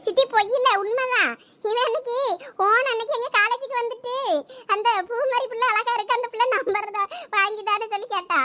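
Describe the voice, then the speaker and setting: A cheeky, talkative young college girl, acted by a woman in a village comedy skit. Her voice sits very high and she keeps up a teasing, chatty manner. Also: steady tone, brisk, sharp tone, slight background noise. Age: young adult. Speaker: comic skit actor.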